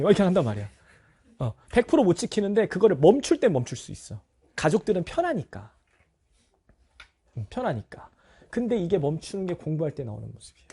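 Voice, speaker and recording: A middle-aged Korean language teacher speaks with a husky, mellow voice that sits fairly high for a man and swoops up and down a lot. Talking frankly to his students, he turns a family story into a lesson and addresses them directly, checking in as he goes.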